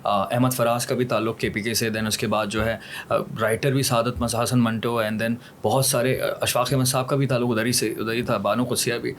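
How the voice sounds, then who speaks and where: A man's voice: mid-range voice, little pitch movement, normal speed, hardly any pauses, a little hiss or hum. A man hosting a podcast in a casual interview style, agreeable and mixing in English words. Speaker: podcast host.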